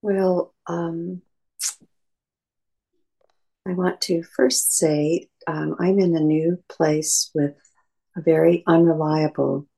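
A woman's voice: deep voice, little pitch movement, takes it slowly, gravelly, pauses often, warm tone, low-quality recording. A woman sharing casually with a group, speaking hesitantly.

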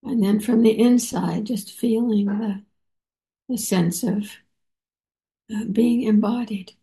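A woman meditation teacher leading a guided meditation, unhurried and halting, with many soft pauses and fillers. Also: a little high, fairly even intonation. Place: meditation center.

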